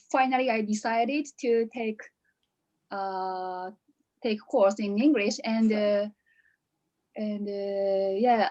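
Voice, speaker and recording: A woman's voice: fairly high pitch, darkish tone, highs cut off. A woman from Japan with a Japanese accent, giving a hesitant graduation speech with many restarts over a video call. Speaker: coaching graduate.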